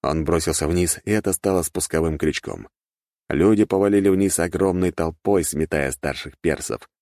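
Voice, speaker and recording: A man narrating a fantasy audiobook in a steady, even reading voice, recorded close to the mic. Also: low-pitched, normal speed, no room sound.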